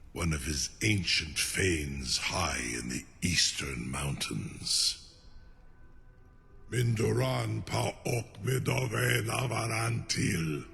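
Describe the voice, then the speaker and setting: A man playing a proud, cunning ancient dragon in a fantasy game, with a deep gravelly voice and a formal, imperious manner. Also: fairly bright tone, big-room sound, full character voice. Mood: grave, measured. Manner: slow, deliberate, formal and imperious. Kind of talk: fantasy video game acting.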